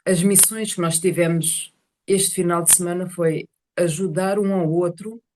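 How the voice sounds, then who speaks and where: A woman telling casual personal stories to a group on a video call, animated and often searching for words. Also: fairly low pitch, a little hiss or hum. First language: Portuguese is one of several languages spoken.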